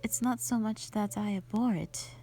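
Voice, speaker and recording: A woman voicing a gentle, lonely female white dragon in a roleplay audio drama, speaking softly and breathily in a sweet, formal, hesitant way. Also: mid-range voice, normal speed, soft background music, natural voice. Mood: pensive, uneasy. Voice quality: soft, breathy, often whispery.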